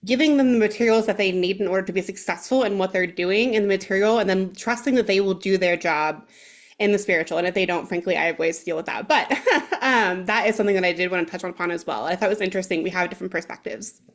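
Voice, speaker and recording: A woman's voice: mid-range voice, fast talker. A woman on a panel speaking casually and frankly, with laughs between her points. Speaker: panel guest.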